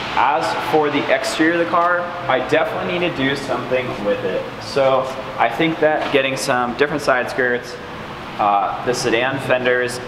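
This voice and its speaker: There is noticeable background noise behind this man. He speaks at a moderate pace with ordinary pitch variation. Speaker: car enthusiast vlogger. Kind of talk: casual vlog chat. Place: garage. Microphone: camera far.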